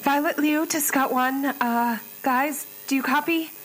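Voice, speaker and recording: A young scientist stranded alone in space, her voice a touch high. She mutters sardonic asides to herself, sometimes dropping to a whisper, in a sci-fi radio play. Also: unhurried, a bit bright, slight background noise. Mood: anxious. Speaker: stranded ship biologist. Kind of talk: audio drama acting.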